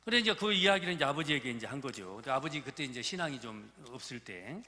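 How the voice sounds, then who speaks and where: A man's voice: mid-range voice, expressive, fast talker, sharp tone. A male pastor telling a story in a sermon, in a conversational way with many fillers and rhetorical questions. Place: church sanctuary. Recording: long church hall reverb.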